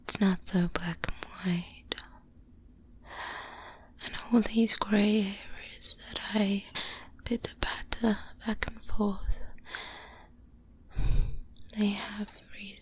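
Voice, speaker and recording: A woman playing a seasoned, guarded vampire hunter mentor in an ASMR roleplay, speaking in a breathy whisper with measured, deliberate pauses, close to a binaural mic. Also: medium pitch. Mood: confiding, careful. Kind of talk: soft-spoken ASMR roleplay monologue. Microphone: close-up binaural microphone.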